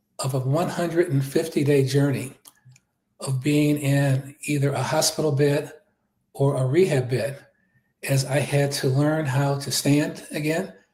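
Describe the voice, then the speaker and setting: Somewhat breathy and monotone, a man's fairly high voice moves at a fairly slow pace with long, frequent pauses. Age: 70s. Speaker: interview guest sharing illness recovery. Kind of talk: personal testimony.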